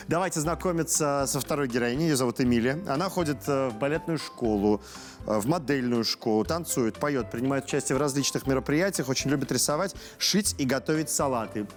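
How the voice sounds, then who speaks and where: A male host of a children's quiz show speaks in a medium-pitched voice. He is chatty and encouraging, keeping a conversational tone. Music plays softly behind him. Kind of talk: conversational hosting.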